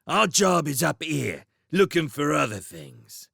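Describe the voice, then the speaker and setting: A man voices a pair of lazy, boorish rat guards in a storybook reading. The voice is gravelly and husky, with a sharp, edgy brightness and wild swoops in pitch. They bluster and threaten in coarse slang. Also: very animated, a little slow, no room sound, clean studio sound, heavily acted. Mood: scoffing. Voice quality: gravelly, rough-edged. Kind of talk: audiobook character voice.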